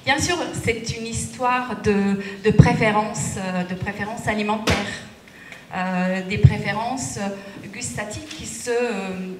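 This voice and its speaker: A middle-aged woman giving a conference talk at a lectern into a handheld mic, speaking deliberately and checking in with the audience. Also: medium pitch, steady tone. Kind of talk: lecture presentation. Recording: echoey room, distant capture, faint noise.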